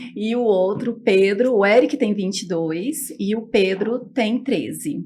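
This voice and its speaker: A woman's fairly high voice carries a dark, mellow tone as she speaks very slowly with ordinary pitch variation. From Goiás, Brazil (Goiânia). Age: 40s. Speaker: podcast guest. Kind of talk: personal testimony interview. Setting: studio.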